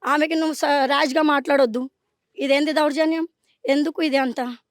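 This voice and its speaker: A woman with a Telangana accent speaks in a street interview, angry and demanding, her voice high and gravelly. She talks at a rapid clip, recorded close and dry. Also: steady tone, no echo. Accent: Telangana Telugu. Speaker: resident facing eviction.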